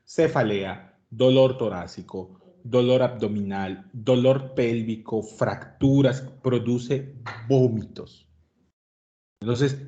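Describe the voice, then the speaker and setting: This medical lecturer has a dark, mid-range voice, captured on dull audio. His lecture is interactive: he questions the students and frequently addresses them as "jóvenes."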